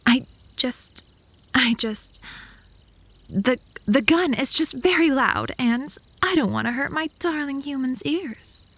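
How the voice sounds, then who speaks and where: A woman's voice: high voice, animated, slow, a bit bright, dry recording, exaggerated voice. A woman playing an indignant, lovesick young female vampire, haughty but easily flustered, in a comedic ASMR roleplay. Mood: haughty, sheepish.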